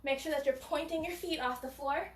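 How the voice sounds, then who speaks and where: A woman's voice: high-pitched, a little fast, a little hiss or hum. A woman coaching a gymnastics workout in a casual, self-deprecating way, out of breath from exertion. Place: indoor gym. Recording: echoey gym, roomy sound.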